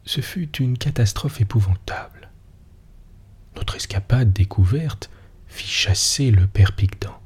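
Husky man reading a story in a whisper. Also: fairly low pitch, animated, slow, darkish tone. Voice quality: breathy near-whisper. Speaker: narrator.

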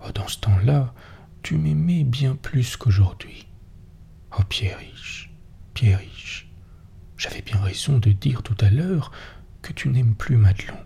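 A man in a whispered role-play, voicing a tender peasant wife who pleads softly with her husband. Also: medium pitch, animated, slow pace, creaky, pauses often, breathy edge, exaggerated voice. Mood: pleading tender. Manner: soft whispered reading.

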